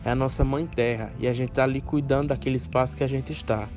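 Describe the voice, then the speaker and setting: A Brazilian man speaks in an earnest, explanatory interview style. His voice is mid-pitched, with music running underneath. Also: steady tone, fast, a little mellow.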